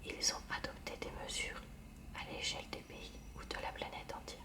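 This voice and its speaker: Hushed library whisper, woman reading ASMR. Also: moderate pace, far from the mic. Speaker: ASMR creator reading aloud.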